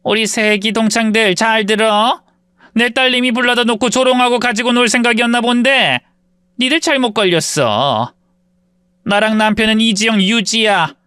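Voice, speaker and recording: Guy putting on a bossy older lady, high and forceful, laying down threats. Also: moderate pace, clean tone, dry recording, clean studio sound. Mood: menacing. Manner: threatening, commanding. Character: imperious older woman, protective mother-in-law.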